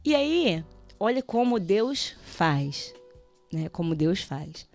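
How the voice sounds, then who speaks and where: A woman speaking as a guest on a Christian radio show, telling a personal testimony with animated storytelling, acting out prayers and conversations and laughing often. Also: fairly low pitch, slow, gravelly, faint music behind. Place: radio studio.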